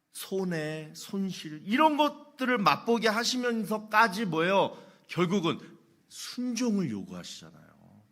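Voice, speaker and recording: A man's voice: high-pitched, a bit bright. A middle-aged male pastor preaching a sermon, asking rhetorical questions and telling humorous anecdotes.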